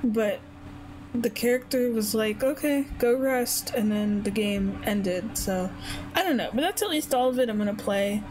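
A woman's voice: mid-range voice, moderate pace, rough recording. A young woman giving casual, chatty let's-play commentary, musing aloud as she plays. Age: young adult. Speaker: game streamer.

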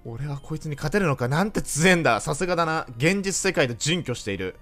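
Lively joking Japanese man playing a game. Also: a little high, quick pace, faint music behind. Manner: playful, teasing, talks to himself and viewers. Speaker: game streamer. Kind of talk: joking let's-play commentary.

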